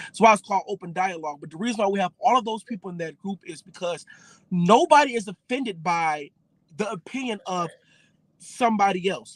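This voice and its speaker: A man with a high pitch talks at a fairly quick pace with ordinary pitch variation and big swings in loudness, the sound dry and close with no echo. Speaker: signed singer. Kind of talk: casual chat.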